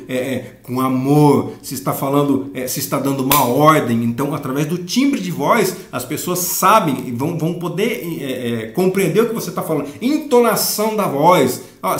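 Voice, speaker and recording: A Brazilian man leads a Sunday school Bible lesson in a slightly high voice. He reads scripture aloud slowly, then unpacks it in a patient explanatory way. The sound is roomy and echoey. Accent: Brazilian Portuguese.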